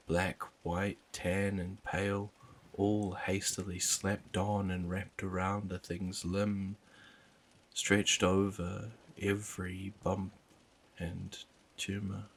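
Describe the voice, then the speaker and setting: A man narrating a first-person horror story in a low, even, unhurried manner.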